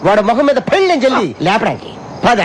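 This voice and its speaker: An actor playing a scheming, bossy buffoon in a film comedy, with an exaggerated theatrical delivery. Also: male voice, very high voice, big pitch swings, fast, a little hiss or hum. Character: scheming, bossy comic buffoon brother-in-law. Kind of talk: Telugu film comedy acting.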